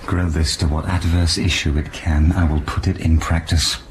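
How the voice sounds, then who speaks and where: A brooding villain nobleman with a very deep, low voice, as a man acts him out. He speaks in short, cold, terse lines, plotting in a Shakespearean stage play. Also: little pitch movement, moderate pace, a little hiss or hum.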